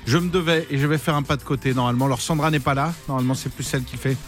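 A man's voice: mid-range voice, steady tone, very fast, music in the background. A man in his thirties hosting a radio game show, playful and chatty, laughing easily with callers. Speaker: radio host.

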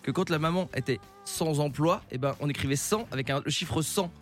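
A man's voice: a little high, brisk, soft background music. A man co-hosting radio with casual, teasing banter and frequent exclamations. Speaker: radio co-host.

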